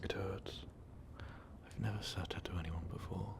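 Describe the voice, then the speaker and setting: A man playing an ancient, brooding vampire overlord in an intimate ASMR roleplay, speaking in a weary, halting, breathy whisper. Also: fairly even intonation. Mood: vulnerable, reluctant. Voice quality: breathy, gravelly low whisper. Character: ancient, brooding male vampire overlord, tormented former rebel.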